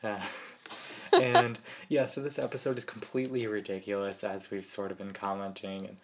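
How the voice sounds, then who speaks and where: A man's voice: fairly low pitch, level tone, normal speed, fairly bright tone. A man co-hosting a podcast in casual chat, analytical and a bit hesitant, laughing often. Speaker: podcast co-host.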